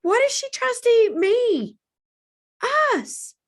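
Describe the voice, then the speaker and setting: A woman's voice: extremely high pitch, big pitch swings, slow pace, a little mellow, voice pushed up, exaggerated voice. A woman voicing a young girl hippo in a storybook, fretful and dramatic about everything. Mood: worried. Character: anxious young girl hippo dreading preschool.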